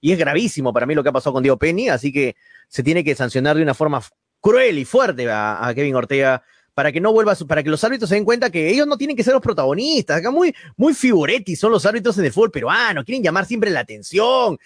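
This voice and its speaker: A man's voice: a little high, big pitch swings, fast, dry recording, studio quality. A man with a Peruvian Spanish accent, co-hosting a sports talk show in heated football commentary, emphatic and indignant. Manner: emphatic, indignant, repeats words.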